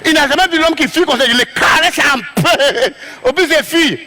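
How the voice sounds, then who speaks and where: A stand-up comedian from Togo, a man with a West African French accent, tells an animated comic story on stage at a normal speed. He acts out the scenes, jumping between shouts and quiet asides.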